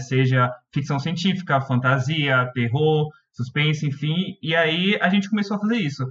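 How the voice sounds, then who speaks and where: A man talks at a moderate pace with an unremarkable speaking voice. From Bahia, Brazil. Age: young. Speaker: writer and student. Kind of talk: casual chat.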